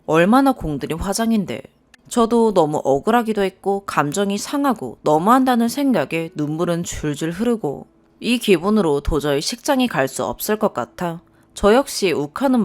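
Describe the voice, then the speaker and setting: A young woman reading a first-person story aloud as narrator, expressive and lively. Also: mid-range voice.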